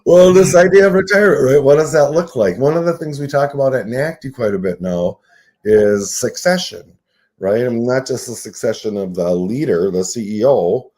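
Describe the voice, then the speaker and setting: A man's voice: medium pitch, normal speed, darkish tone. A man in his sixties, a nonprofit CEO, speaking as a guest in a casual radio interview, reflective and earnest, often checking in with "right?". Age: 60s.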